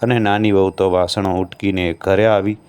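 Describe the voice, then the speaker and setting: Male storyteller, low and smooth, steady devotional telling of a folk tale. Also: normal speed.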